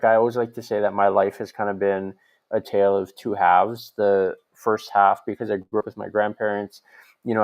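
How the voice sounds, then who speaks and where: A man's voice: lowish voice, a little mellow. Chatty young man from Hawaii. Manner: chatty, many fillers and restarts. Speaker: podcast guest. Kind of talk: casual interview conversation.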